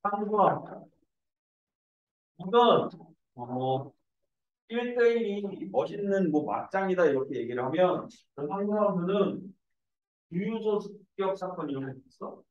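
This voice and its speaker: A man's voice: sits high, a little slow, long pauses. Joking male math teacher in echoey room. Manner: animated, joking storyteller. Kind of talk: lecture mixed with casual anecdotes. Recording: echoey room, distant dull mic.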